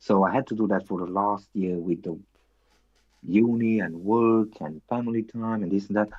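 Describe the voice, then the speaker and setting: This man speaks with a non-native accent at a moderate pace. His pitch is fairly low, with ordinary pitch variation. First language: not English. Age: 40s. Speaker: channel owner, precious metals stacker. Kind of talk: casual chat.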